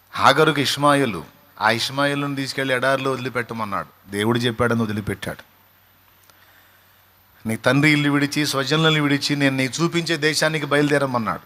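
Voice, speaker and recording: Male pastor, passionate sermon delivery with loud emphatic peaks. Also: medium pitch. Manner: impassioned preaching, rising to loud emphatic cries.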